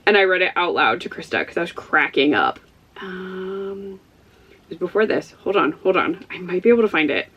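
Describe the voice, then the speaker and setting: A woman's voice: on the low side, animated, moderate pace, slightly rough, muffled recording. A young woman from Ohio with a Midwestern accent, chatting casually to camera as a book vlogger, rambling and giggling with lots of fillers. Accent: Midwestern American. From Ohio, USA.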